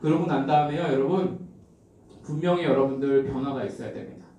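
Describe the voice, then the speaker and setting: A middle-aged man giving a motivational seminar talk, telling stories in an animated way and speaking straight to the audience. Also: medium pitch, fairly quick. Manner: animated storytelling, addressing the audience directly. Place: large seminar hall. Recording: very echoey hall, distant mic.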